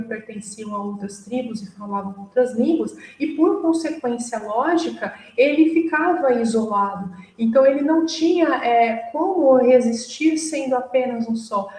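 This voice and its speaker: A young Brazilian woman with a Brazilian Portuguese accent giving a literature lecture, measured and explanatory with frequent fillers. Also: sits high, darkish tone. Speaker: university lecturer. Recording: echoey room, mic at a distance.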